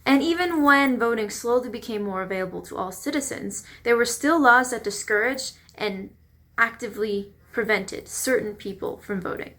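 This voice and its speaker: A woman's voice: a little high, moderate pace, pushed and bright. A woman delivering pointed, emphatic scripted narration for a readers theater piece.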